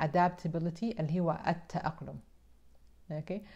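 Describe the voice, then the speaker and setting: This woman's voice is pitched fairly low. It sounds somewhat breathy. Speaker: English teacher and life coach; English teacher, life coach. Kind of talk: live online English lesson. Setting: live stream from home. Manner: animated. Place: home room.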